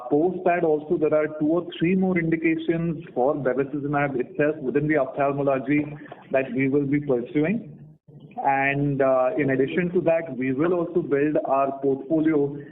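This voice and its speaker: A male company executive explaining strategy on an earnings call in a methodical way. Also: on the high side. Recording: noisy narrowband phone line.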